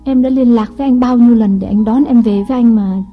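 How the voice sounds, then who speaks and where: A man's voice: very high voice, fast talker, phone-quality sound, soft background music, voice pushed up. A man voicing a scheming young wife who coaxes and pleads in a sweet, whiny tone. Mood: pleading.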